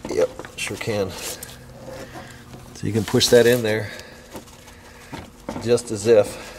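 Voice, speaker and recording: A man whose voice sits on the low side speaks very slowly, casually demonstrating each step of a car repair while handling the parts. He's relaxed and talks as he works. The audio carries long reverb along with faint background noise.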